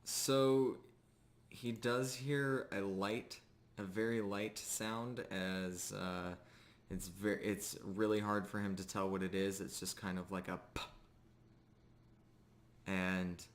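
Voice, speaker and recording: A man working as game master, narrating a tabletop roleplaying game in a halting, measured way. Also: fairly low pitch, steady tone.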